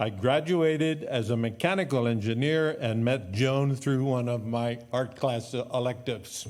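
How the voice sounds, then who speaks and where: A man with an American accent talks at a fairly slow pace and medium pitch, with ordinary pitch variation, hardly any pauses, and very even loudness. Noticeable background noise sits behind him. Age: 80s+. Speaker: retired engineer, church member. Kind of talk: personal reflection.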